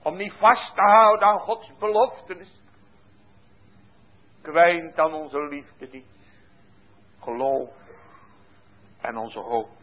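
A man preaching a sermon with passion, dropping to a hush and then rising loud again. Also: on the high side, slow, long pauses. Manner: impassioned, swinging from hushed to loud. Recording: tinny phone-like sound.

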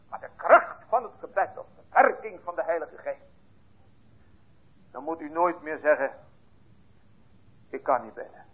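A man preaches with fervour, his high voice husky and strained. He drops to near-whispers and then lifts into loud pleas. The recording is thin and phone-like. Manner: fervent preaching, swings between hushed and loud. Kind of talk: sermon. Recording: tinny lo-fi sermon recording.

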